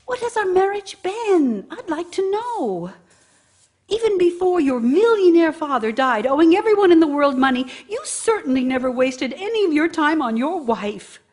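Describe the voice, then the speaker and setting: Actress as a high-voiced, bitter nagging wife. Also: female voice, a little mellow, breathy edge, exaggerated voice. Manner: scornful, sarcastic, complaining. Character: bitter, nagging, aggrieved working wife scolding her idle husband. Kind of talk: stage-style radio drama monologue.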